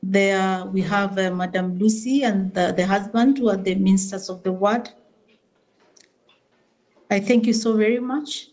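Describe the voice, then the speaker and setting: A woman speaks to a meeting over a remote link, pausing often with fillers. Her delivery is formal and prayerful, at a middle pitch. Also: fairly even intonation, a little mellow. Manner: hesitant, many fillers, preacher-like blessings. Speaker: SACCO CEO addressing members remotely.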